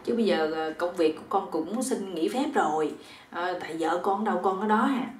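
A woman with a Southern Vietnamese accent voicing a sly young son-in-law who talks in a soft, coaxing, pleading way. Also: fairly low pitch, brisk, distant mic, a little hiss or hum, lightly acted. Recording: roomy echo.

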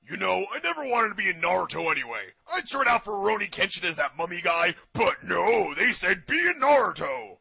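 A man's voice: high voice, very animated, fairly quick, gravelly, hardly any pauses, sharp tone, full character voice. A man voicing a dim-witted young henchman in a fan parody dub, dopey and whiny.

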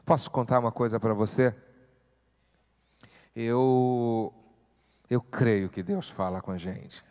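Emphatic Rio pastor preaching in echoey hall. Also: male voice, mid-range voice, steady tone, slow pace, clean tone. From Brazil. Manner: emphatic preaching with repeated rhetorical questions, building to loud exhortation. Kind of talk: church sermon. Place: church sanctuary.

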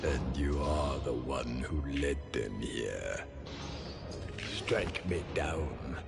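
An actor playing an ancient, evil emperor in a game, gravelly and menacing, with commanding, drawn-out words. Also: male voice, rumbling low, heavily acted. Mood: gloating menace. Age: older. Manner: slow, menacing, drawn-out delivery. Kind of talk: theatrical game cutscene villain acting. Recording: loud music over the voice.

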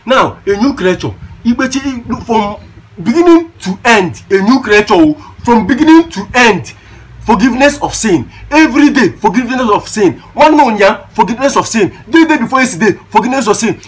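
A man's voice: very high voice, big pitch swings, moderate pace, husky, full character voice, low-quality recording. A man with a Nigerian Igbo accent playing an exasperated, mocking grown son in a comedy film, sarcastic and repetitive, switching between English and Igbo.

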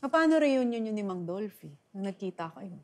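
A woman's voice: medium pitch, big pitch swings, normal speed, a little mellow. A woman hosting an interview show, listening closely and asking short questions. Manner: attentive, brief prompts and nods. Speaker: talk show host.

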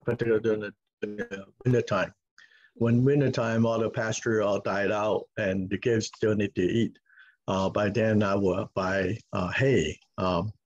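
A man's voice: on the low side, husky. Hong Kong-accented man on a muffled video call. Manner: halting, many fillers and restarts. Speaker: farm owner, guest. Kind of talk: casual interview answers. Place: home room with log walls, indoors.

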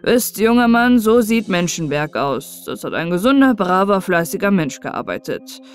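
A woman voicing a stately old male master sculptor in an audiobook fairy tale, speaking slowly in a cold, measured way. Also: medium pitch, big pitch swings, faint music behind, close to an everyday voice.

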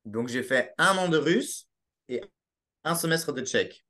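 Speaking from a small room at home over a video call, a young Belgian podcast guest with a Belgian French accent talks casually but hesitantly, full of restarts and fillers. His voice is fairly high, bright and forceful, animated yet a little slow, captured by a laptop webcam mic.

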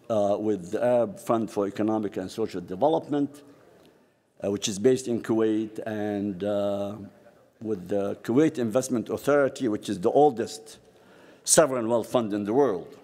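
An older man from Syria, a professor, giving a formal, measured conference speech at a podium with frequent pauses. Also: fairly low pitch, mellow. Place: large conference hall. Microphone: podium microphone. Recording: long hall reverb.

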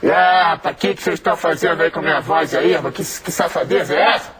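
Man with deep disguised distorted voice. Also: fast, a crowd in the background. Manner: protesting, bewildered. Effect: voice distorted lower to disguise it. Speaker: radio show co-host.

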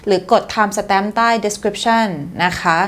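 A woman's voice: medium pitch, steady tone, fairly bright tone. Chatty Thai tarot reader woman. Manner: chatty, polite, drawn-out sentence endings. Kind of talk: tarot reading for viewers.

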